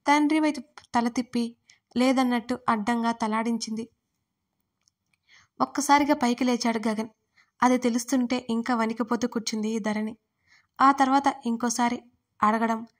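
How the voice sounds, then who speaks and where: A woman reading a romance audio story aloud, voicing every character's lines in her own voice. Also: fairly high pitch. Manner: reads every part in her own voice, quotes lightly voiced. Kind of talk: scripted audio story narration.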